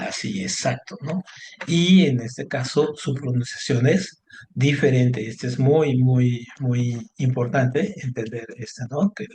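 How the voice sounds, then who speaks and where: A man's voice: mid-range voice, gravelly, a little mellow. A man teaches a lesson in an explanatory way. He keeps checking in with his listeners, with many short questions and fillers. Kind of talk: online class lesson.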